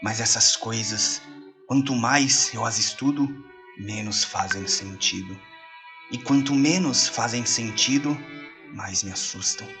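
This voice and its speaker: A man playing a troubled but resolute priest in an audio drama, solemn and measured, with a Brazilian accent. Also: mid-range voice, over music, lightly acted. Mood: solemn unease. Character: troubled, resolute priest who studies demons. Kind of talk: audio drama trailer monologue. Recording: loud musical score underneath.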